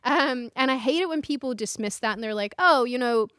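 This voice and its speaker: A woman's voice: high-pitched, brisk, no room sound, clean studio sound. Chatty young woman co-host. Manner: candid, chatty. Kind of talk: casual chat.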